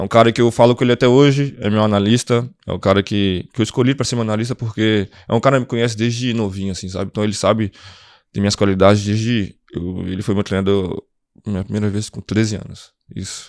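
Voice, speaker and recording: A man's fairly low voice at a very fast pace, fairly even in intonation, on a very clean recording with a silent background. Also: dry, close sound with no echo. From Minas Gerais, Brazil. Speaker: professional footballer. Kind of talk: podcast interview. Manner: halting, with false starts.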